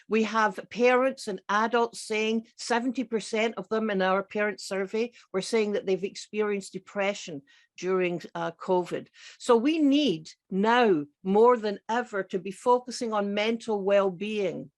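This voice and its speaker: Enthusiastic Scottish-accented woman speaker. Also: medium pitch. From grew up partly in Scotland. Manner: enthusiastic, emphatic, repeats key words. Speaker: psychiatrist and keynote speaker. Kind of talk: conference presentation.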